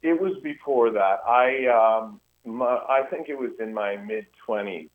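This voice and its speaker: A man's voice: medium pitch, slight background noise. A middle-aged man, a historian, speaking earnestly by phone in a radio interview, often restarting his sentences. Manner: earnest, halting with many restarts. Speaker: guest historian. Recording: tinny phone line.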